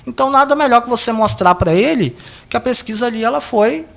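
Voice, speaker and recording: A man's voice: extremely high pitch, animated, fast, gravelly, fairly bright tone. A man with a Brazilian Portuguese accent, a political analyst, explaining polling methods at length with frequent restarts. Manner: explains at length, with many restarts and tag questions. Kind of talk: explanatory interview answers.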